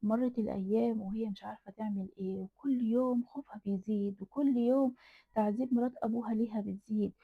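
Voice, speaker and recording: A woman's voice: on the high side, steady tone, fast talker, husky, no echo. A woman with an Egyptian accent narrating a horror folk tale dramatically, repeating phrases for emphasis. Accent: Egyptian Arabic. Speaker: storyteller. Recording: dry tinny phone-like sound.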